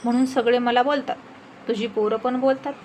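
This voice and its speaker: A cranky old village grandmother scolds and grumbles, with a woman acting her out. The voice is fairly high in this storybook reading, over faint background hiss. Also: fairly even intonation, a little fast, darkish tone, natural voice.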